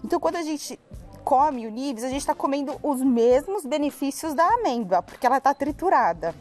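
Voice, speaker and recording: Cooking guest, 30s woman, eager explainer on a studio lapel mic, bright higher voice, faint music under. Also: animated, fairly quick. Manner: enthusiastic explaining, addresses viewers as "gente". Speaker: cooking guest presenting cocoa recipes. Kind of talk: live TV cooking segment. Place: TV studio set with kitchen table.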